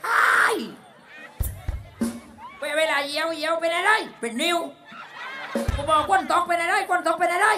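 A man voicing a rowdy, crude male village clown in a live shadow-puppet comedy, speaking with a Southern Thai accent, shouting and laughing through rapid-fire guesses. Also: extremely high pitch, crowd noise. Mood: boisterous. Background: live folk music band.

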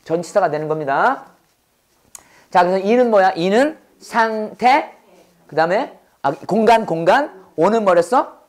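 A hoarse English teacher who runs a brisk call-and-response drill, repeating each prompt and having the class echo it back. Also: mid-range voice, expressive.

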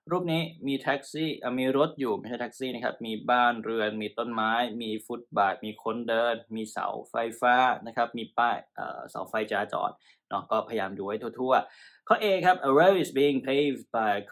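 A male tutor walks through exam answers in a polite, patient way. He reads each English answer option slowly and distinctly, then breaks it down, closing his sentences with frequent polite particles. His voice sits at an average pitch for a man. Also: fairly bright tone. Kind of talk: explaining test answers.

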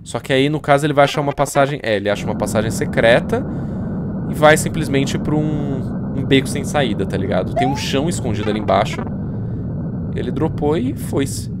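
A man's voice: medium pitch, huge pitch swings, fairly quick, heavy background noise. A young Brazilian man giving casual, slangy, joking reaction commentary into a close desk microphone. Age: young adult. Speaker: YouTuber reacting to horror videos. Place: indoor streaming room. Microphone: close desk microphone on arm.

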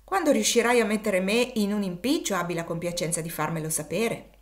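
A woman's voice: medium pitch, brisk, lightly acted. Woman reading as a wry backwoods Quaker guide. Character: brash shrewd male backwoods Quaker guide.

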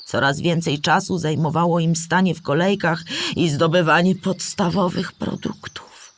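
An actress plays a patient female storyteller in a children's audio play. She explains things in a clear, measured way, as scripted narration for young listeners. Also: low-pitched, steady tone, a little hiss or hum, close to an everyday voice. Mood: explanatory, patient.

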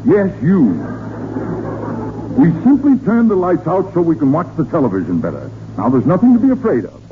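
A man's voice: on the high side, huge pitch swings, moderate pace. A man playing an exasperated, sputtering middle-aged American father in a 1940s radio comedy. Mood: impatient. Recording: tinny, faintly noisy 1940s radio recording.

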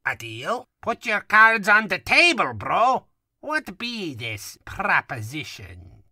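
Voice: medium pitch, big pitch swings, slow pace, bright, forceful tone, dry recording, studio quality, heavily acted. An actor voicing a flamboyant, swaggering male crook, brash and showy with slangy talk, in a cartoon fan dub. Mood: swaggering, eager. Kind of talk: fan-dub comic acting.

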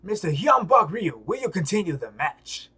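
A man voicing a hyped male fight tournament announcer from a comic, loud and drawn-out. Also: high voice, big pitch swings, slightly rough, full character voice.

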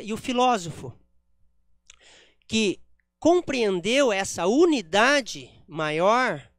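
A man's voice: sits high, dry recording, studio quality. Man giving a reflective lecture. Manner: frequent "né?" tags, reflective explaining tone. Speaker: spiritist lecturer. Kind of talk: public lecture with slides. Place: spiritist center hall.

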